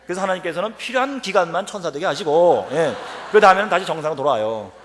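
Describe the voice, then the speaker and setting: Man in his 50s, revival sermon, quick, bright and forceful voice, animated storytelling, echoing church hall. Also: fairly high pitch, a little hiss or hum. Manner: animated storytelling with acted quotes. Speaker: professor speaking at a revival meeting. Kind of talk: humorous revival-meeting sermon.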